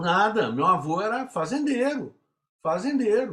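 The recording is very clean and the background silent. A man speaks with very wide pitch swings. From Minas Gerais, Belo Horizonte. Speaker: education specialist. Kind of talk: interview conversation.

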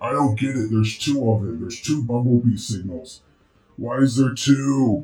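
In a put-on character voice with a menacing tone, a man speaks at a moderate pace and medium pitch. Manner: menacing, taunting.

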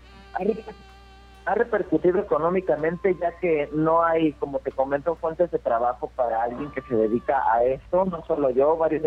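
A man with a central Mexican accent speaks at a moderate pace, fairly high in pitch with ordinary variation. Noticeable background noise is present. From Mexico, Querétaro. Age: 20s. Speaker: DJ. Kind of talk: casual chat.

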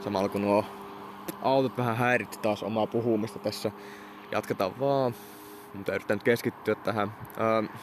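Against noticeable background noise, a man speaks at a moderate pace with fairly low pitch, monotone, flat intonation, very even loudness and long, frequent pauses. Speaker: solo podcaster. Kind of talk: casual monologue. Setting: outdoors by a motorway. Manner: halting.

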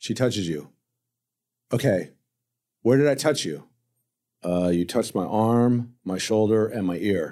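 Speaking with a Californian accent, a man with fairly low pitch and lively intonation moves at a fairly slow pace, leaving long, frequent pauses, in a very clean recording with a silent background. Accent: General American (Californian). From Southern California. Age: 50s. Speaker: hospitality entrepreneur, event producer. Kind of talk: casual interview conversation.

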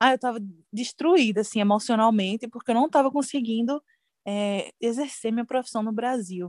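In a very clean recording with a silent background and a dry, close sound with no echo, a woman uses a normal speaking voice, fairly high in pitch with ordinary pitch variation, at a fairly quick pace. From Brazil, Paraíba (Campina Grande). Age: 30s. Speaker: emergency nurse. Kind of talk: interview.

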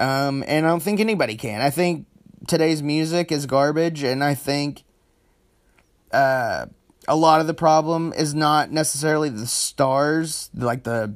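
Speaking at a moderate pace with ordinary pitch variation, this is a plain, everyday voice on a very clean recording with a silent background. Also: man. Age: 30s. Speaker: podcast host, music fan. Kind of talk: solo podcast monologue. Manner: casual, with fillers and repetitions.

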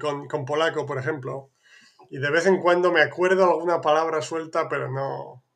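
A moderate pace with monotone, flat intonation, in a north-central Spanish accent. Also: man. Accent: northern-central Peninsular Spanish. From Castilla y León, Spain. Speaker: language learning podcaster. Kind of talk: live Q&A stream.

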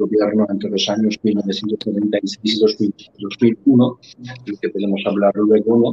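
A man with a Polish accent speaks fairly slowly in a fairly low, flat monotone, recorded with a dry, close sound and no echo. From Poland. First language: Polish (speaking Spanish). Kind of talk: interview.

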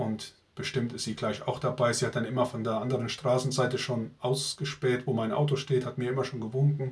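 This man has a plain, everyday voice at a medium pitch, with fairly even intonation. He speaks at a fairly quick pace with hardly any pauses. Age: 50s. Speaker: police officer sharing his faith testimony. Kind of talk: testimony.

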